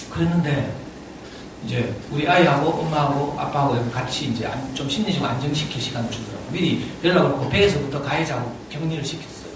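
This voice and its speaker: A middle-aged man with a Gyeongsang accent tells a personal story to an audience, animated and laughing often as he talks. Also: a little high, fairly quick. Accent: Gyeongsang (Daegu). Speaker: parent speaking at a parenting lecture. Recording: echoey hall, distant mic, audible room noise.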